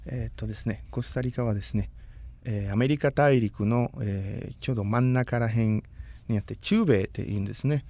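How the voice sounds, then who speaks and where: A man in his thirties from Costa Rica, whose first language is Spanish, answers interview questions in a polite, measured way. His voice has a soft, mellow tone, and he often stops to search for the right word. The sound is close and dry, with no room echo. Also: medium pitch. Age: 30s. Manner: polite, measured, pausing often to find words. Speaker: guest. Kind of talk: casual interview.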